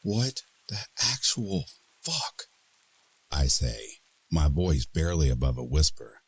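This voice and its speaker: A man's voice: rumbling low, normal speed, darkish tone, breathy edge, no echo, full character voice. A man voicing a shaken, incredulous young man, by turns panicked and sarcastic. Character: frightened, angry young man at his lowest.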